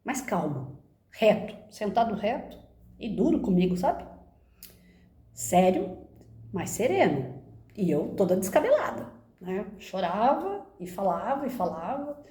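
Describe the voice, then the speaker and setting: Brief: Brazilian woman, personal testimony, mellow warm tone, animated storytelling, roomy echo. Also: mid-range voice, unhurried, pauses often. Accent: Brazilian Portuguese. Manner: expressive, animated retelling with frequent "né?". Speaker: speaker giving a personal testimony.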